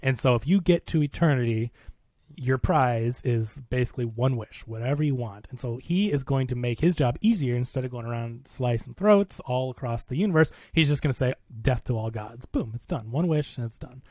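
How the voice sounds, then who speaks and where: A man hosts a casual film discussion at a middling pitch. He talks like a storyteller, in everyday colloquial phrasing. The sound is dry, with no room around it. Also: lively intonation, a little fast, warm tone, no echo. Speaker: film podcast host. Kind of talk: casual movie review chat, recapping a plot.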